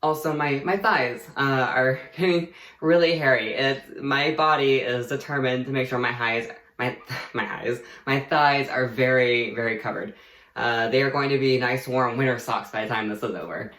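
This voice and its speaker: A man's voice: mid-range voice, moderate pace, bright, forceful tone. A young man vlogging a casual personal update, rambling and chatty with lots of fillers and easy laughter. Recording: echoey room.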